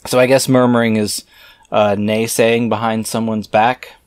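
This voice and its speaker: A man reading aloud casually, breaking off into halting, musing, skeptical and irreverent commentary. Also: on the low side, level tone, clean tone, dry recording, clean studio sound.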